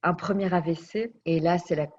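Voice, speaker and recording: Woman, interview guest, lowish voice, reflective, searching for words, muffled lo-fi sound. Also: normal speed, darkish tone. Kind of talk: personal storytelling interview. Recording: dull lo-fi recording.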